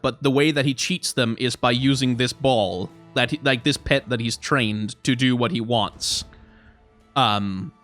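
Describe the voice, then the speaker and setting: On a live stream, a slightly hoarse young man rambles casually and answers his chat while reviewing card art. His voice is medium in pitch with a fairly bright tone.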